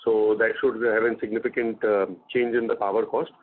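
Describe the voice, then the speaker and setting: A man with an Indian accent answering investor questions as a company executive on an earnings call, in measured, slightly hesitant phrasing. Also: on the low side, flat delivery. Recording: narrowband phone conference line.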